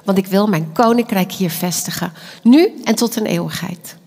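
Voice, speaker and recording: A woman giving an earnest, animated sermon, dropping now and then into quiet whispered asides. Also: mid-range voice, normal speed. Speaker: preacher. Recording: echoey hall.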